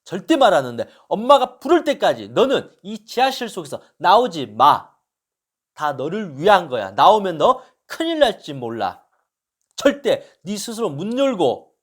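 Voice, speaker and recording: A man voicing an anxious, controlling middle-aged mother who scolds and insists in a raised voice during a talk. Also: a little high.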